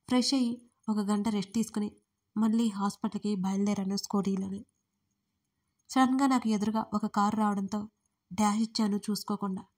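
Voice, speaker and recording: A woman narrating a first-person audio story in an intimate, emotional way. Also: medium pitch.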